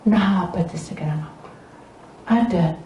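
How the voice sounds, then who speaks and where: Woman pastor, sermon, animated storytelling, low mellow voice, echoey room, faint hiss. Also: unhurried, highs cut off. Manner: animated storytelling, questions to the congregation.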